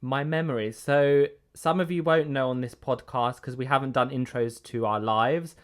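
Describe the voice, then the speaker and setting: A man's voice: mid-range voice, moderate pace. Man with an English accent, easygoing podcast co-host, mid-range voice. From Greece. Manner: relaxed, chatty, with fillers. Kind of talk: casual podcast chat.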